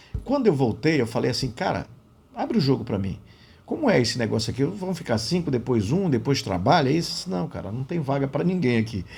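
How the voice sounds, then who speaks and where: A man with an ordinary speaking voice and a medium pitch talks at a fairly quick pace with lively intonation. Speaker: radio announcer. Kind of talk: interview answer, telling a personal story.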